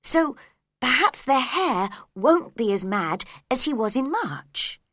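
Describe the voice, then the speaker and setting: A polite, curious young girl in a storybook, played by a woman reader. Her voice lifts into questions with lively swings of pitch, slow and bright. The recording is dry and close. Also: no room sound, heavily acted.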